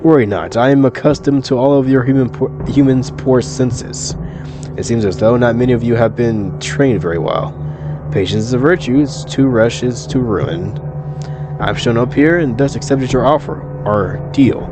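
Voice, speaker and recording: A man voicing a female eldritch deity who speaks slowly and condescendingly, soothing yet menacing. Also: medium pitch, music in the background, natural voice. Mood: stately, commanding. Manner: slow, courtly, condescending.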